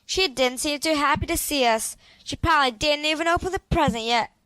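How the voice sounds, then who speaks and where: A woman's voice: sits high, fairly quick, bright, forceful tone, no echo. A woman playing a reasonable, cautious young twin sister in an audio drama.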